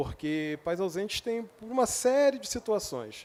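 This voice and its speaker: A man is speaking. His intonation is lively. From Rio de Janeiro, Brazil. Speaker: comic book artist. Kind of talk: panel discussion.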